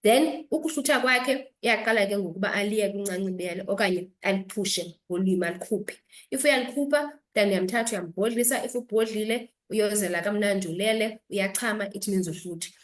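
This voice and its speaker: Guesting on an interview, this female doctor offers health advice in a brisk, mid-range voice and a South African accent. Her delivery is instructive, moving back and forth between two languages.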